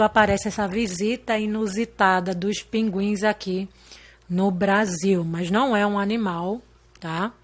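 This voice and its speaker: Lady teacher talking real slow to little kids, keeps going "ok?". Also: medium pitch. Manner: patient and explanatory, checks in with "tá?" and "ok?". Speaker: primary school teacher. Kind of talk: slow recorded lesson.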